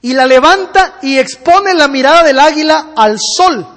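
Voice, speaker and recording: High-voiced male preacher in a reverberant hall. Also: animated, fairly bright tone. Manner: rhythmic repetition, building slowly. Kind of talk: sermon with storytelling.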